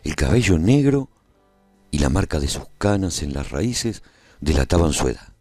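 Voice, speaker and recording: A man playing a brave, lovestruck warrior who tells his own adventure in a radio serial, theatrical and husky, with measured dramatic pauses. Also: rumbling low, very animated, darkish tone, no echo, soft background music, exaggerated voice. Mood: tender. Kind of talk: dramatic scripted first-person radio serial narration.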